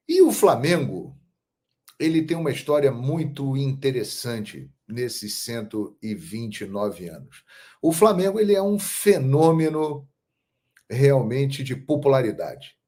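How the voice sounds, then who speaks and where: Brazilian man, middle-aged, football channel host, unhurried emphatic monologue at mid pitch. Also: mellow. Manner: measured, storytelling, emphatic on key phrases. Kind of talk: casual monologue to camera.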